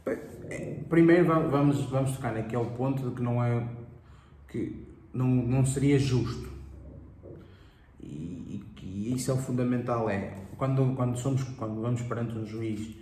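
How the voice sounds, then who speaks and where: A man's voice: mid-range voice, moderate pace, dark tone, slight background noise. A man co-hosting a Bible study discussion, explaining at length with examples, restarting words and often agreeing. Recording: echoey room.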